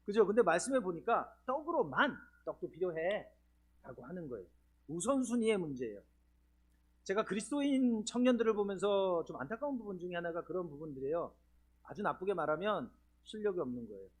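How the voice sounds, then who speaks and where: A man's voice: high-pitched, animated, brisk. A male pastor from the region preaching at a church healing seminar, asking the congregation questions as he goes. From Chungcheong region, Korea. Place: church sanctuary.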